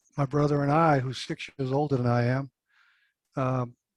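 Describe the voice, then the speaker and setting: Heard in a dry, close sound with no echo, a man with an American accent speaks at a fairly high pitch. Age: 70s. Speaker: author and veteran. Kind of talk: interview. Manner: halting.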